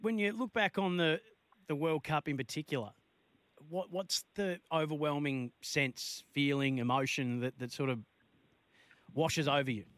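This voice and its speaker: A man's voice: fairly high pitch, normal speed, a bit bright, no echo. An Australian man presenting a live talkback sports radio show as its host, close on a studio microphone.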